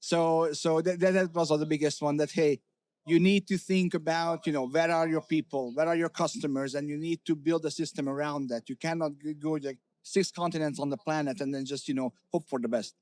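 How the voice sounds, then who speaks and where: A man's voice: fairly high pitch, steady tone, a little fast, a little mellow, dry recording. A middle-aged man from Hungary, a company CEO talking candidly in an interview, with many fillers and restarts. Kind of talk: casual interview talk.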